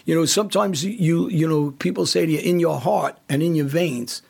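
A man's voice: fairly high pitch, moderate pace, gravelly, husky. A man hosting a podcast in casual chat, blunt and emphatic, often restarting his sentences. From United States. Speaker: podcast host.

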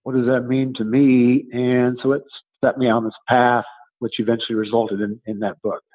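A man in his seventies answering interview questions conversationally as a coach and author, explaining in a halting way and repeating words as he thinks. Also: mid-range voice, little pitch movement, narrow, tinny audio. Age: 70s.

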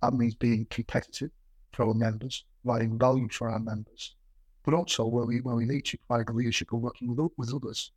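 A middle-aged man speaks with a slightly rough, husky voice and a noticeable stammer, repeating words as he goes. He is a plain-spoken executive answering interview questions conversationally. The sound is dry and close, with no real room to it. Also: mid-range voice, fairly even intonation, fairly quick, a little mellow, no echo, rough recording. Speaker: business executive being interviewed. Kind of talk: reflective conversational interview with anecdotes.

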